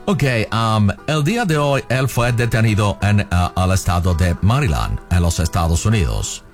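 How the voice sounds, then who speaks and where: A man playing an American police officer who speaks halting, broken Spanish with English fillers. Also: on the low side, big pitch swings, faint music behind. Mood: officious.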